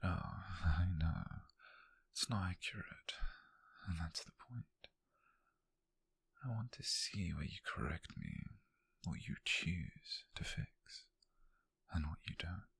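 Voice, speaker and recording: A British man playing a calm, menacing, possessive detective in a whispered ASMR roleplay, with a breathy, husky voice and slow, deliberate delivery. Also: low-pitched, no room sound, exaggerated voice. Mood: controlled, curious.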